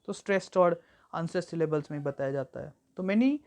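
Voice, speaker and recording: A young woman tutor giving an exam-prep lecture, explaining at length with frequent fillers and slowing down to read example sentences aloud. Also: fairly low pitch, mellow. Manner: reads English examples slowly and deliberately. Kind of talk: exam-prep lecture mixing Hindi and English.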